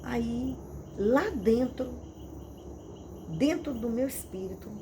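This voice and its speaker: A middle-aged woman pastor, telling her testimony in an animated storytelling way with dramatic repetitions. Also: on the high side, takes it slowly, noisy background. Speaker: missionary and pastor. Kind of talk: testimony preaching. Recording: crickets and insects chirping behind.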